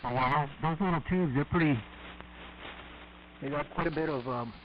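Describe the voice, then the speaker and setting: A man's voice: fairly high pitch, normal speed. A man talking casually and thoughtfully, with halts, as an amateur radio operator on an AM shortwave transmission. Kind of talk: casual technical chat over ham radio. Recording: noisy, dull AM shortwave radio. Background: steady radio noise.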